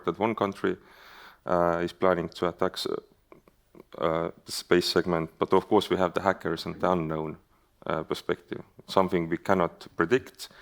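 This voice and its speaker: A man with an Estonian accent moderates a conference panel from the stage. His voice sits very low with a gravelly edge, yet comes through smooth and resonant. He talks haltingly, filling gaps with uh and um. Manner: hesitant, many fillers and restarts.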